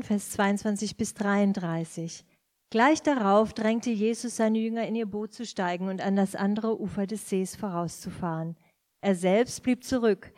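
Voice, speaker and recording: A woman's voice: medium pitch, a little mellow. A woman reading scripture and interpreting a sermon phrase by phrase, following the preacher closely.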